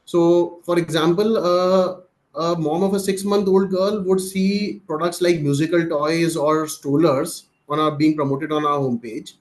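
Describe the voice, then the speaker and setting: Higher-pitched Indian man presenting business results. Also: steady tone, a little slow. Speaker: company executive presenting. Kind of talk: business presentation on earnings call.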